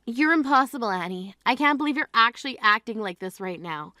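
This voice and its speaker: A woman's voice: a little high, expressive, brisk, pushed and bright, no echo, clean studio sound. An actress playing a grieving sister who scolds her self-absorbed sibling in a blunt, exasperated way. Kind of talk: scripted drama acting.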